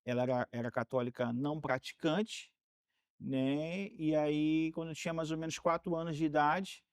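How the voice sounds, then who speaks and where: A pastor in his forties with a Carioca accent tells his story in a relaxed, rambling way, often circling back over his words. His voice sits a touch high for a man. The sound is close and dry. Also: normal speed, smooth, no echo. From Rio de Janeiro, Brazil. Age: 40s. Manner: rambling, repeats words while gathering thoughts. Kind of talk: casual interview storytelling.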